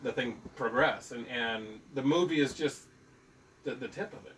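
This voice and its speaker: A man's voice: mid-range voice, normal speed, a bit bright. A man hosting a casual live chat, talking eagerly and laughing easily. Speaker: host. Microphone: phone. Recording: distant phone mic with faint noise.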